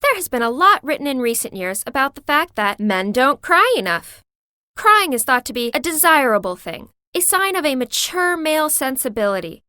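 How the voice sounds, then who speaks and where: A woman voice-over artist reading scripted narration in a polished, articulate way with deliberate phrasing. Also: on the high side, pushed and bright, clean tone, no room sound, studio quality.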